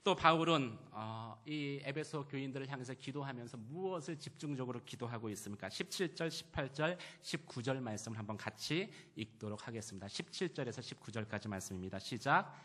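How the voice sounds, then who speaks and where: A man with a bright voice delivers a sermon in a church. He swings between loud, emphatic declarations and quiet, personal storytelling. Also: medium pitch, brisk, few pauses. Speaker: pastor. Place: church sanctuary.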